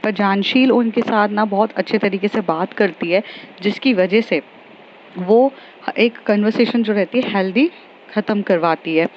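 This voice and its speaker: A woman casually retelling an episode of a love story, chatting along and quoting the characters in her own voice, with English phrases mixed into her talk. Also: mid-range voice. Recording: slightly dull lo-fi recording with faint hiss.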